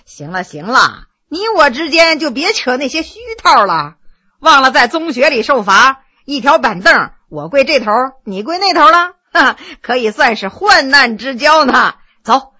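A woman's voice: sits high, sing-song, normal speed, sharp tone, heavily acted. A woman voicing a scheming, jovial male Qing-era official who banters glibly, in a told story. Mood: jovial, teasing. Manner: teasing, glib banter.

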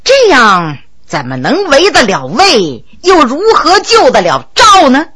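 A woman voicing a bold, blunt low-ranking male county magistrate who talks in a cool, sly, deliberate way. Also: wildly swooping pitch, fairly bright tone, heavily acted.

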